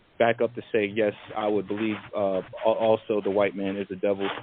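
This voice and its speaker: Over noticeable background noise, a man talks at a moderate pace and a fairly low pitch with fairly even intonation. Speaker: caller. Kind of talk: call-in statement on radio show. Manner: halting, many fillers.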